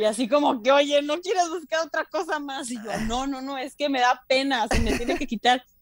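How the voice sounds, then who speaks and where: Speaking at a moderate pace with hardly any pauses, a woman uses a high pitch with ordinary variation. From Mexico, Aguascalientes. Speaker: mixed martial arts fighter. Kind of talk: casual interview.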